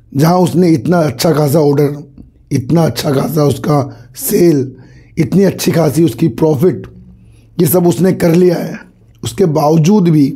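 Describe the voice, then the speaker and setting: A hoarse man with a cold hosting his own stock market channel, chatting casually to viewers, addressing them as sir and repeating his phrases. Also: on the high side, mellow. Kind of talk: casual market commentary to camera.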